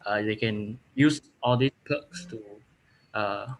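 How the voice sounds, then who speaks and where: A young man from Vietnam with a Vietnamese accent, pitching a student project over a video call and often searching for words. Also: slow pace, slight background noise, rough recording. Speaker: student contestant.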